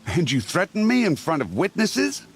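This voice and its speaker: An actor playing a haughty, self-righteous tribal war chief in a video game, sneering and theatrical. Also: male voice, sits high, huge pitch swings, moderate pace, breathy edge, full character voice. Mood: outraged contempt. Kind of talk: video game cutscene acting.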